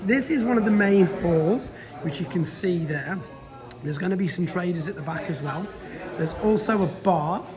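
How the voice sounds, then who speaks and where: A man's voice: high-pitched, expressive, normal speed, a crowd in the background. A man chatting casually as he films a walk-around vlog of a convention venue, rambling with many restarts and losing his voice. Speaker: toy vlogger.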